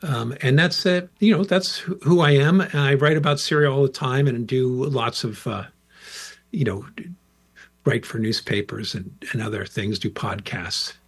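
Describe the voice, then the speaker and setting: A middle-aged American man, a professor and interview guest, answering in a relaxed, rambling way with fillers. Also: medium pitch, normal speed, slightly rough. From United States.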